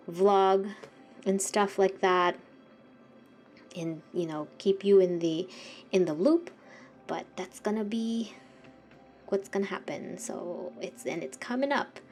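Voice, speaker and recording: A young woman vlogging casually while she paints, congested and sniffly, rambling and often correcting herself. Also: fairly low pitch. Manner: rambling, self-correcting, soft-spoken. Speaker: art vlogger. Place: home art studio.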